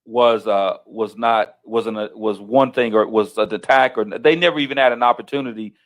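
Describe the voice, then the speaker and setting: A man's voice: lowish voice, fairly even intonation, normal speed. A middle-aged man conducting an interview, asking long leading questions with frequent restarts and checks like "right?". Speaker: interviewer, host.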